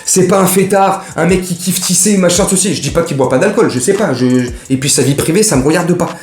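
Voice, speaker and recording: A man's voice: a little high, lively intonation, fast talker, a little mellow, roomy sound. A man chatting casually about football transfers, rambling and joking in slang and speaking straight to his viewers. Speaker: football vlogger. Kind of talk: casual mercato chat to camera.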